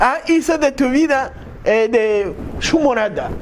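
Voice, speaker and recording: A man speaks with a Rwandan accent at an extremely high pitch, with ordinary pitch variation. Noticeable background noise runs underneath. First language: Kinyarwanda (speaking Spanish). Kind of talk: religious talk at a seminar. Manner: halting, with repetitions and fillers.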